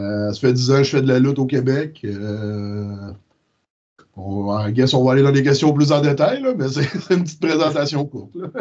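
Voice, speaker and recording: The man's voice, pitched in a middle range, carries a dark, mellow tone. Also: ordinary pitch variation, moderate pace. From Quebec, Quebec City area. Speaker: pro wrestler. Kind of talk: interview. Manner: hesitant, many fillers.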